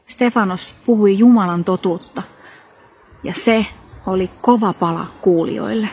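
A woman delivers a sermon with a husky, slightly breathy voice. She retells scripture with earnest emphasis and pointed rhetorical questions. The recording sounds dull and lo-fi. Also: mid-range voice. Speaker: preacher.

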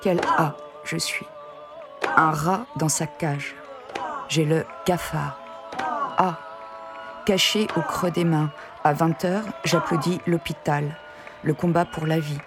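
Woman doing slow spoken word poetry, calm lyrical lines, faint music behind. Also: sits low. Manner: measured, lyrical, deliberate. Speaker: poet narrator.

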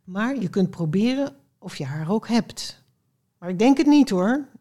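A woman's voice: mid-range voice, animated, unhurried, mellow, natural voice. Woman reading as a solemn, self-important poet. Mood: solemn, instructive. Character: gruff, self-important male poet, earnest and sighing. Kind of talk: storybook read aloud.

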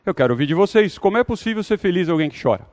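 A man's voice: high-pitched, lively intonation, very fast, a little mellow. A man leading an interactive Bible study, talking conversationally and putting questions to the audience.

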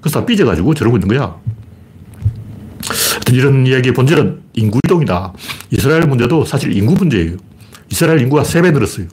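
A man's voice: medium pitch, very animated, fast, a little mellow, a little hiss or hum. A middle-aged man hosting a solo political commentary livestream, talking bluntly and colloquially and answering his own rhetorical questions. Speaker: livestream host.

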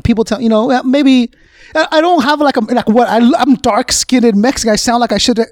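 A man's voice: very high-pitched, a little fast, no room sound. A man hosting an interview, chatting casually and joking, often stumbling over his words and restarting. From United States. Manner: animated, jokey, stumbles and restarts. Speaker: interview host.

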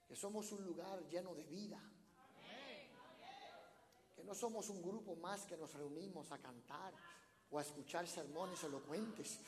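A man preaching a sermon in a church, talking directly to the congregation in a conversational way. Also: fairly high pitch. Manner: builds to loud, fervent preaching. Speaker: pastor. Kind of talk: sermon with a told story. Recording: long reverb of a church hall.

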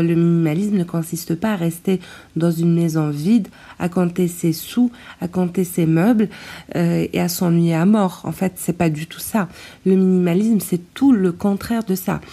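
A woman with a low, mellow voice hosts a casual solo podcast, speaking straight to her listener. She hesitates often and fills her pauses. The sound is low quality, captured on a tablet's built-in mic after her microphone broke. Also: husky. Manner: hesitant, many filler sounds, addresses listener directly. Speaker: podcast host.

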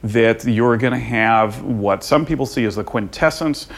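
An American man interviewing on stage as a journalist, choosing his words with pauses mid-phrase. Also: medium pitch. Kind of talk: live on-stage political interview.

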